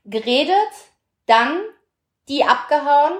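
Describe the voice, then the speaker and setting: A woman chatting casually on a podcast, telling a story in an animated way and acting out the dialogue. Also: high-pitched, slow pace, echoey room.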